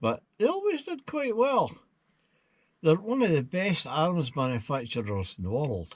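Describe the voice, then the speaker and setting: A man talks at a fairly slow pace. He speaks with a south-west Scottish accent. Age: 70s. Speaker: camping vlogger. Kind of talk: casual monologue to camera. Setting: outdoors, camping by the beach.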